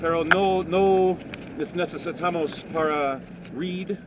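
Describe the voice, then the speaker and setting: Man in halting learner's Spanish. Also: fairly high pitch, fairly even intonation. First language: English. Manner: halting learner's Spanish, many fillers and restarts. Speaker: musician and songwriter. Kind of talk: casual chat in a taxi. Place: inside a moving taxi. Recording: noisy car ride recording. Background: street and engine noise.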